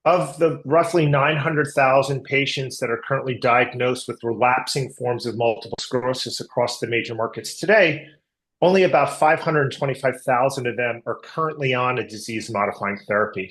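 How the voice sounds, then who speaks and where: A man speaking as a company executive on an earnings call, explaining medical and market matters in measured corporate language. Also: mid-range voice, a bit bright. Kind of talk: earnings call answers, business presentation.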